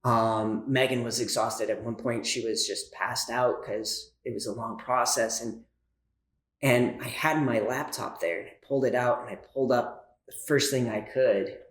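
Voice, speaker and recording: A man of middle pitch tells a story in a calm, unhurried voice, as a guest on a podcast. The room around him is echoey. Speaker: radio host guest. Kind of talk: casual podcast conversation, storytelling.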